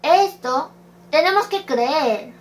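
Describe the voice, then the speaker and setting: Woman giving a sermon, high voice, talks real slow, reads verses and asks questions back. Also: expressive. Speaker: preacher.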